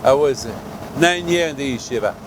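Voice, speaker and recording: An older man from Morocco, a rabbi giving a sermon outdoors in a halting way, with many fillers and restarts. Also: mid-range voice, expressive, noisy background. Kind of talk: sermon at a holy site.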